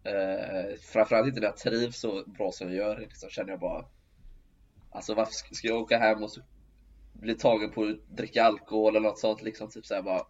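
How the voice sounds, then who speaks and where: Rambling low-voiced man. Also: level tone, a little mellow, dull audio. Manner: rambling, heavy fillers. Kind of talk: casual chat.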